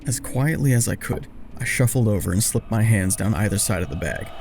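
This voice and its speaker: A man's voice: lowish voice, animated, a little fast, vocal fry, noisy background. A man narrating a dramatic first-person story in a wry, confessional way.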